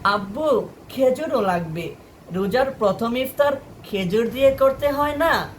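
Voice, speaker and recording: A man's voice: extremely high pitch, expressive, a little slow, slight background noise, voice pushed up, low-quality recording. A man voicing an eager, cheerful eight-year-old boy in an audio story.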